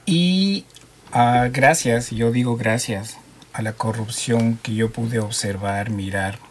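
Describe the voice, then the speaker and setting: A man from Ecuador with a Quito accent, a guest telling his story in a relaxed, playful way. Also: medium pitch, takes it slowly, a little hiss or hum. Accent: Quito Spanish. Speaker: interview guest, driving instructor. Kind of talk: casual radio interview.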